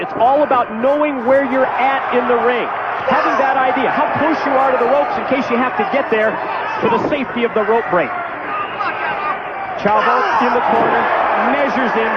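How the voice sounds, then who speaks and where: High-pitched excitable American male wrestling commentator. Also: normal speed, very noisy. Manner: excitable, clipped move-by-move calls. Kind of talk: wrestling commentary, calling moves as they happen. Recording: dull lo-fi TV audio, loud arena crowd. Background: loud wrestling arena crowd.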